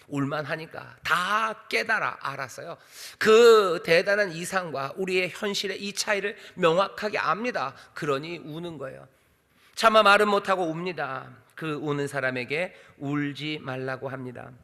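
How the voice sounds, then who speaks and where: A man's voice: on the high side, normal speed, sharp tone. A male senior pastor preaching a sermon, asking rhetorical questions and answering them himself, and acting out short quoted lines in other voices. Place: church sanctuary. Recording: long hall reverb.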